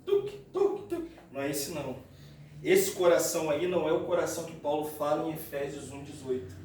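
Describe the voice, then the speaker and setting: Pastor preaching, high voice, big echo, mic kinda far away. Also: male voice, fairly quick, slight background noise. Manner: animated storytelling preacher, addresses listeners as brother. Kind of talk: sermon. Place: church hall. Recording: echoey church, mic far off.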